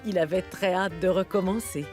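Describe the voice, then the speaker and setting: A woman playing a gentle storyteller, narrating a children's cartoon in a tender, expressive way. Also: lowish voice, normal speed, over music, lightly acted. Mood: gentle storytelling. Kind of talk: scripted narration for small children.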